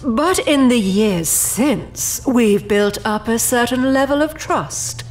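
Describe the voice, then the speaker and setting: Casting: composed otherworldly baroness, diplomatic and formal, very unhurried delivery, mid pitch, music underneath. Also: female voice, expressive, darkish tone. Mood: earnest persuasion. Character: poised, diplomatic noblewoman presiding over otherworldly board. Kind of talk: audio drama acting.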